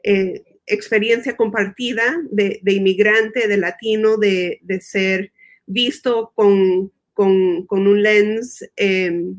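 A woman's voice: medium pitch, steady tone, takes it slowly. A woman interviewee who lives in the United States, explaining her ideas thoughtfully, repeating words as she thinks and slipping in English terms. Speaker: guest expert. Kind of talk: conversational interview.

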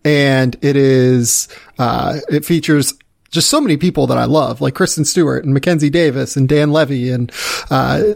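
A man's voice: medium pitch, normal speed, creaky. A man hosting a sports podcast in casual, conversational chat.

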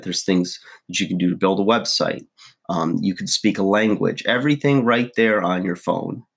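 A man's voice: deep voice, breathy edge. A man vlogging a casual motivational talk to camera, rambling with many fillers, his voice still groggy from early morning. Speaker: fitness coach and vlogger.

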